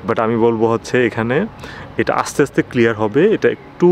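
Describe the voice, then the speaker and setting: A man at an ordinary middle pitch talks through a language lesson. He is patient and explanatory, repeats each word slowly and keeps checking in with his listeners. A faint noise sits under the recording. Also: steady tone. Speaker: German language teacher.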